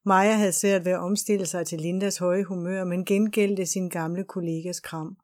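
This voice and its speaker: A woman reading a novel aloud as an audiobook narrator, calm and even. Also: on the low side. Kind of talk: scripted narration.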